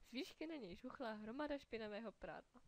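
A woman narrates a children's fairy tale in a clear, steady storytelling manner. Her voice sits somewhat high and she reads with calm, even pacing. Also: heavy background noise.

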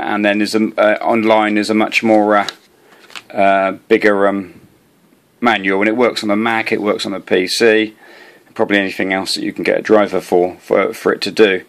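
A man hosting a casual, off-the-cuff gadget demonstration, rambling and hesitant, often repeating his words, recorded on a handheld camera at a desk indoors. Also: lowish voice. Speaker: video host, amateur radio hobbyist. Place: small indoor room at a desk. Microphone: handheld camera or phone.

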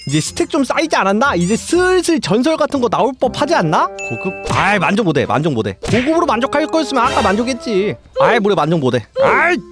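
A young woman gives lively, excitable commentary as she plays, talking to herself and crying out when things go wrong. Her voice sits fairly high and swings widely in pitch. Game music plays clearly behind her. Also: quick pace, hardly any pauses. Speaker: game streamer. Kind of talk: casual gameplay commentary.

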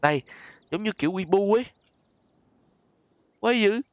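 A man's voice: high-pitched, animated, moderate pace, dry recording, highs cut off. A man with a southern Vietnamese accent hosts a gaming video, giving casual gameplay commentary to his viewers.

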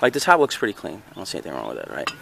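A rambling, self-deprecating man with a somewhat low voice talks through his bargain finds, stumbling over fillers. His camera picks up faint background noise. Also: wildly swooping pitch, very fast, vocal fry, fairly bright tone. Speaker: reseller vlogger. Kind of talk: casual show-and-tell. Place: outdoor patio, then in a car.

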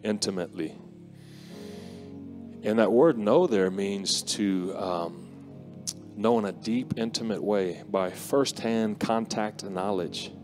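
On a large indoor arena stage, a man in his forties delivers a conference's closing exhortation into a handheld mic. His fairly low voice is earnest and soft, full of pauses and fillers, while live worship music plays underneath.

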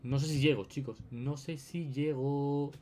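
A young gaming video host with a Spain Spanish accent gives casual, chatty gameplay commentary to his viewers, often repeating phrases. His medium-pitched voice is darkish and fairly even at a measured pace, with slight background noise.

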